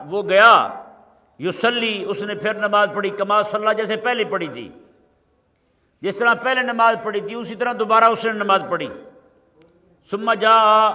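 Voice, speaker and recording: A man's voice: high voice, pushed and bright. A man delivering a Friday sermon as a mufti, reciting Arabic phrases and explaining them, with rhetorical questions to the congregation. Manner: asks rhetorical questions and checks in with "hain ji". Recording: long echoing reverb of a large hall.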